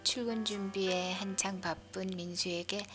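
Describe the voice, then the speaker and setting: A woman softly whispering a bedtime story as narrator, breathy, as if leaning in close. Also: mid-range voice, steady tone, measured pace, faint music behind.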